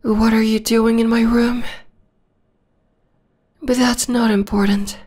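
A woman voicing a possessive, obsessed young vampire stalker in a breathy, whispery, intimate ASMR roleplay. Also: fairly high pitch, flat delivery, a little mellow. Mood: soothing, insistent. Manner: intimate, slow, lingering delivery. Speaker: voice actor.

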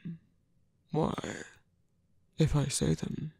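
A man playing a guarded, lovestruck villain in an ASMR roleplay, halting and tender, with a breathy voice that often drops to a whisper. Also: warm tone, no room sound, studio quality, natural voice. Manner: halting, hesitant delivery with pauses. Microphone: close dry microphone.

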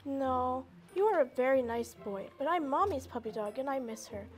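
A woman's voice: high voice, lively intonation, moderate pace. A woman voicing a small, sweet, lost puppy dog in a puppet show, innocent and childlike.

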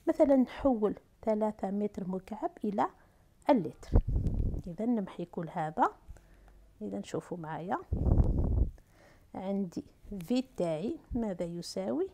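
A woman's voice: mid-range voice, expressive, background noise. Woman teacher with an Algerian accent. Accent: Algerian Arabic. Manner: talks through steps slowly, asks and answers herself. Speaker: math and physics teacher. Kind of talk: whiteboard lesson for middle school.

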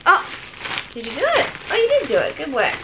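A woman's voice: sits high, fairly quick. A woman chatting casually at home as she reviews a product, with children nearby. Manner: chatty and relaxed, with many "like" fillers. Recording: clearly noisy home recording.

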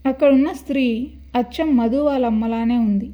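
A woman narrating a scripted horror story in a steady, dramatic storytelling manner. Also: fairly high pitch, moderate pace, muffled recording.

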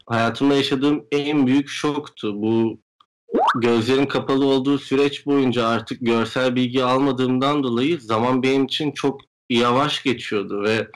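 A young man, a guest artist, explains his work and views in an interview over a video call from a room at home. His voice sits in the mid range, and the video call mic gives a low-quality recording.

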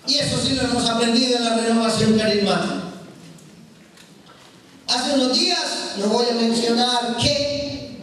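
A man's voice: extremely high pitch, fairly even intonation, moderate pace, pauses often, fairly bright tone, a little hiss or hum. A man with a Colombian accent, a priest giving an emphatic, storytelling charismatic sermon in a large hall with an audience. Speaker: Catholic priest, preacher. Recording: echoey hall from far off, crowd.

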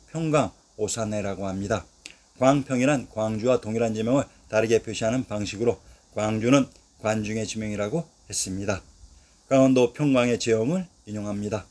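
A man narrates a history lesson from a script, in a voice of ordinary middle pitch. He recites old place names one after another in a steady, measured way, letting each list drop at the end. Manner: steady recited delivery, lists of names with a falling close.

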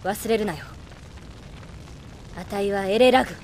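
A woman's voice: medium pitch, measured pace, a little mellow, slight background noise, natural voice. A woman playing a bold, confident young fighter with an assured, spirited delivery in a radio drama. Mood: fierce. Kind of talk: Japanese anime-style radio drama acting. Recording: music behind the voice.

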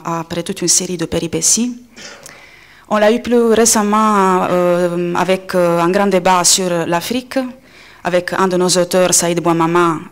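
A woman in her thirties with an Italian accent, a native Italian speaker, giving a semi-improvised conference talk with hesitant pauses and self-corrections. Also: on the low side, vocal fry. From Italy. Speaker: coordinator of a media organisation, panel speaker. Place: indoor conference panel table. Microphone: gooseneck table microphone, close.

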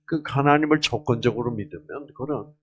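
A man's voice: medium pitch, brisk, slight background noise. A man giving a health lecture to a live audience, quizzing the listeners with questions and jokingly slipping into regional dialects.

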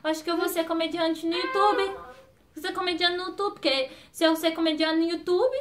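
A woman's voice: very high-pitched, steady tone, slight background noise. A woman vlogging casually to camera, rambling and jumping between topics as she talks to her viewers. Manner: chatty, quick-talking, addresses viewers directly.

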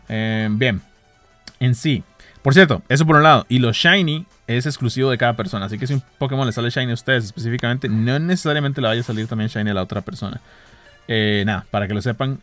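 A gaming vlogger with a Costa Rican Spanish accent gives casual running commentary while playing a phone game, walking outdoors near home in the early morning. He talks excitably, swears and laughs at himself, his voice in the mid range.

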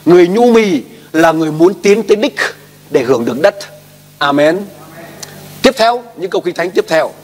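A man's voice: high voice, lively intonation, normal speed, a little mellow. A male pastor preaching a sermon emphatically, posing questions and asking the congregation to repeat after him. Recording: long hall reverb.

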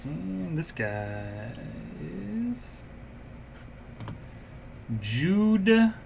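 A man hosting a card break speaks in an unhurried, offhand way, calling out names and serial numbers. His voice sits a little high for a man. A faint hum of room noise runs under his talk. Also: big pitch swings, vocal fry, a little mellow. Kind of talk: casual live card-break commentary. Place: indoor card shop room.

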